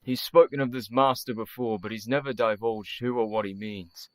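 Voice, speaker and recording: A man playing an earnest young doctor, measured and devoted, in a radio play. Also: medium pitch, steady tone, no echo, natural voice. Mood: tense.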